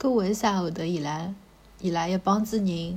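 This woman talks at a fairly slow pace in a Shanghainese accent, her voice somewhat breathy. Her pitch sits mid-range and her intonation is fairly even. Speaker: podcast guest. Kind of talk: casual chat.

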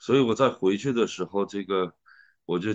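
This man's speech shows ordinary pitch variation. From Inner Mongolia, Hulunbuir. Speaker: documentary director. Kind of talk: post-screening Q&A talk. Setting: online screening event. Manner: halting, many fillers.

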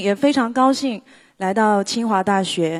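This very slow speaker is a woman. The recording is very clean, with a silent background. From China, Fujian (Fuding). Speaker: singer. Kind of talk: public speech.

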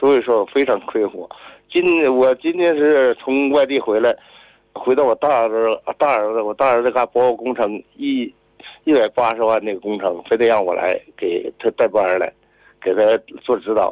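A man talks at a moderate pace with medium pitch. His pitch varies in an ordinary way, and the sound is dry and close, with no echo. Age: 50s. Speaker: caller. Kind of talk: phone call-in confession. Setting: phone call. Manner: halting.

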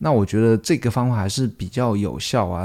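Speaking at a fairly quick pace, a man talks with vocal fry. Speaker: podcast host. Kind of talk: solo podcast monologue. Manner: casual, with frequent filler words.

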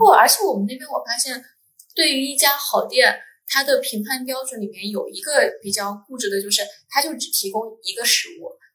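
With a high pitch and lively intonation, a woman talks at a fairly quick pace, her loudness swinging widely. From Pingliang, Gansu, China. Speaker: podcast guest. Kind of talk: casual chat. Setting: conference room.

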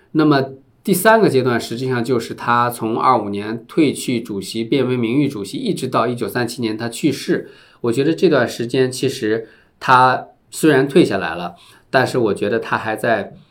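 Pitch rises and falls in a typical manner throughout. It is an ordinary speaking voice, delivered at a moderate pace. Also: man, medium pitch for a man. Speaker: Olympic culture promoter. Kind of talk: interview.

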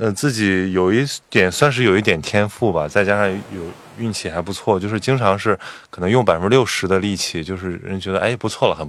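A man talks in a normal speaking voice, fairly low in pitch, at a fairly quick pace with ordinary pitch variation. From Qingdao, Shandong, China. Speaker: podcast host, former journalist. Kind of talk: casual chat.

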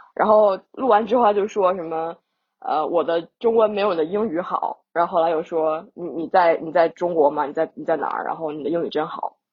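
A fairly low-pitched woman at a fairly quick pace, with ordinary pitch variation. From Beijing, China. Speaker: football media interviewer. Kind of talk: casual chat. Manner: animated.

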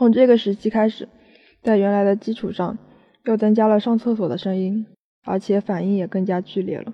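This woman has a plain, everyday voice at medium pitch. She speaks at a fairly quick pace with fairly even intonation. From Taizhou, Zhejiang, China. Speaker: university student telling her story. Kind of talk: personal testimony.

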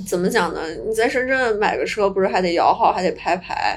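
This woman has a plain, everyday voice. Her pitch is medium, with ordinary pitch variation. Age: 20s. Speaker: podcast co-host. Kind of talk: casual chat.

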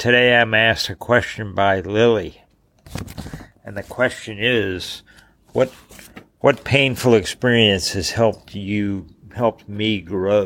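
A man's fairly low voice, very slow, with fairly even intonation and long, frequent pauses. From Virginia, US. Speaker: retiree. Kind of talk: short prepared monologue.

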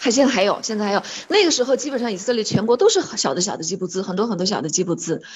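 Very fast, lively speech from a woman with a fairly high pitch, over noticeable background noise. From Chengdu, Sichuan, China. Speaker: multilingual expat musician. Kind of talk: casual interview.

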